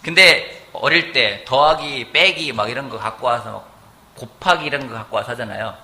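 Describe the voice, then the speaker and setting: Animated Korean pastor preaching, bright voice. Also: male voice, medium pitch, normal speed. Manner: animated, asks the congregation questions. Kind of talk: sermon. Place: church sanctuary.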